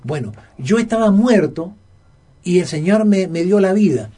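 A man's voice: sits high, expressive, moderate pace, warm tone. A man co-hosting a Bible study program, speaking earnestly and emphatically, with fillers and repeated words. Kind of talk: conversational Bible study dialogue.

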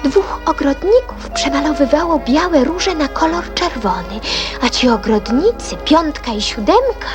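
A woman's voice: high voice, lively intonation, measured pace. An actress playing a curious, outspoken young girl in a children's radio play, both acting and narrating. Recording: music behind the voice.

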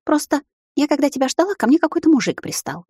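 An excitable young sister, voiced by a woman, pitched high and rattling off her words. She sounds agitated and indignant throughout, in a dry storybook recording with no room echo. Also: fast talker.

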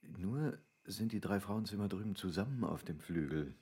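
An obliging baron with a deep, husky voice. He is cautious and courteous, choosing formal, old-fashioned words in a literary radio play. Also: expressive, moderate pace, dark tone, heavily acted. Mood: courteous, hesitant. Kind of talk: literary radio drama acting.

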